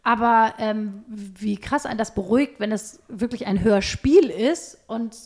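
A woman's voice: medium pitch, unhurried, a little mellow. A woman podcast host talking in a casual, conversational chat.

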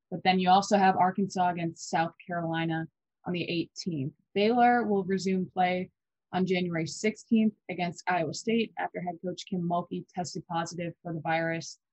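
A woman in her twenties co-hosting a college basketball podcast, chatty and quick with fillers and restarts. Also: fairly low pitch, fairly even intonation, darkish tone, no room sound, rough recording. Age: 20s. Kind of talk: casual sports podcast chat.

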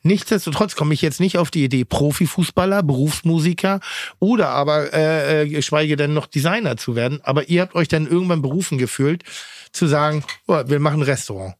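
A man's voice: fairly high pitch, brisk, dry recording, studio quality. A male podcast host asking long, winding questions and teasing his guest. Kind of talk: casual chat.

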